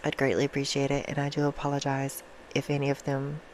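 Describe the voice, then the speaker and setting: A soft-spoken woman chatting casually and affectionately to her viewers in an ASMR style, with an informal, self-deprecating manner. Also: extremely low pitch, completely flat delivery, fast talker, a little hiss or hum, poor audio. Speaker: ASMR video creator and host.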